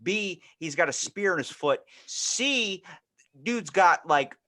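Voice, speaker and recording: A man's voice: high-pitched, animated, takes it slowly, sharp tone. A man hosting a podcast in casual chat, telling rambling anecdotes in a blunt, profane, irreverent way. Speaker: podcast host.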